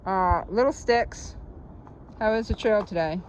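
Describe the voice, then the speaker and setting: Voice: medium pitch, unhurried. A hiker narrating a casual trail vlog outdoors, with dry joking asides, recorded on a handheld camera or phone. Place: outdoors on a mountain trail, windy. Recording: dull lo-fi sound with wind noise. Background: wind.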